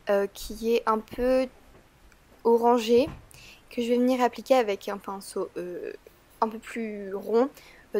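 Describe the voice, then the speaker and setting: A woman with a stuffy, slightly congested voice from a cold. She talks through a makeup tutorial in a fairly high voice, with a chatty, meandering delivery. Frequent "euh" fillers and small hesitations run through her speech. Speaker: beauty vlogger.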